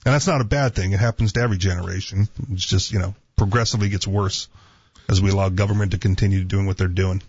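A man's voice: deep voice, steady tone, quick pace, a little mellow, breathy edge, no room sound, dull audio. A man co-hosting a call-in talk show in casual, argumentative banter, teasing and joking crudely. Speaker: talk radio co-host.

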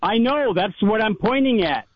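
A man's voice: sits high, animated, moderate pace, dry recording. A man hosting a casual talk show, talking over his co-hosts and repeating himself to stall. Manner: talks over others, repeats "wait a minute". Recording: dull lo-fi sound.

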